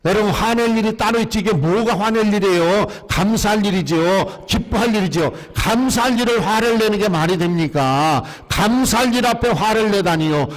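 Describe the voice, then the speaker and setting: A man's voice: high voice, in a large hall. A male pastor preaching a sermon, asking the congregation questions and having them repeat lines after him. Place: church sanctuary.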